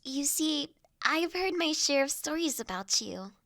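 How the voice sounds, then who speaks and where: A woman playing a polite, gentle human lady in an intimate audio roleplay, speaking formally and courteously with soft hesitations. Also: high-pitched, animated, no echo, studio quality, exaggerated voice. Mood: admiring, soft. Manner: courteous, formal wording, softly hesitant with pauses.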